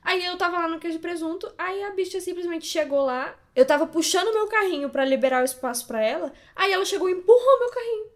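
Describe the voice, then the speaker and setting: A woman's voice: very high-pitched, lively intonation, fast, few pauses. A young woman from Brazil in casual chat, self-deprecating and acting out little dialogues as she tells stories. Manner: self-deprecating, laughs often, acts out quoted dialogue.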